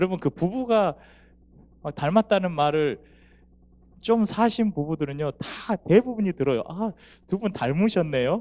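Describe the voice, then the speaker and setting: A man speaks with a high pitch. His voice moves in very wide pitch swings. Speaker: lecturer at worship school. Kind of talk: lecture. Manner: fast.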